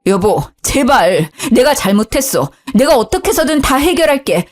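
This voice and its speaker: A woman's voice: high-pitched, very animated, darkish tone, pitched above the performer's own voice. A woman voicing a guilty young husband who begs for forgiveness, in a storybook reading. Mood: begging. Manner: pleading, slow and apologetic. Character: guilty young husband, begging and weak-willed.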